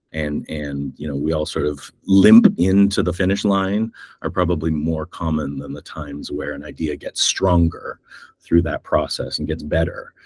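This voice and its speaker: A middle-aged man from Canada with a North American accent, speaking as an agency executive in a thoughtful interview, measured with frequent ums. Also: a bass voice, a little mellow, breathy edge, no echo, studio quality. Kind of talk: reflective interview talk.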